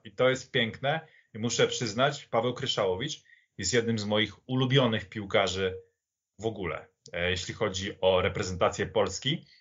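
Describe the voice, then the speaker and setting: A man giving conversational football commentary, halting at times and repeating words for emphasis. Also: on the low side, fairly bright tone, slightly rough. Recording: dull, lo-fi audio.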